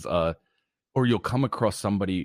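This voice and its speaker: With an American accent and vocal fry, a man speaks with ordinary pitch variation in a dry, close sound with no echo, on a very clean recording over a silent background. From Staten Island, New York. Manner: casual, conversational, with fillers.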